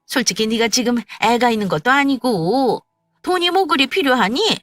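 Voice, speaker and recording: A woman voicing an overbearing older mother-in-law with a sharp, piercing voice and a scolding manner. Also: on the high side, lively intonation, moderate pace, dry recording, clean studio sound, soft background music. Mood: demanding. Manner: scolding, demanding.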